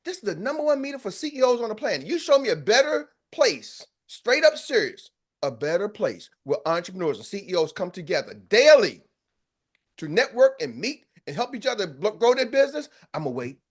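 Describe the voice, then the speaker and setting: A high-voiced American man leads a group call as a sales coach. He talks in a fiery, preacher-like way and drives his points home by repeating them. The energy stays high as he pushes the listeners. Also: very animated, fairly quick. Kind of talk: motivational pep talk.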